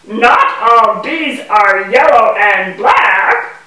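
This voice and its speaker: Far from the mic in a very echoey hall, a woman plays a small, self-reliant bee puppet. The voice is sharp and bright, with emphatic, explanatory delivery for a children's show. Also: mid-range voice, lively intonation, very slow, full character voice. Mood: indignant, emphatic.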